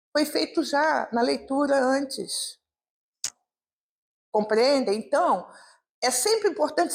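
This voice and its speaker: A woman's voice: high-pitched, creaky. A woman speaker giving an informal, conversational talk on a gospel reading at a live public meeting, with many rhetorical questions. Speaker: guest speaker at a spiritist meeting.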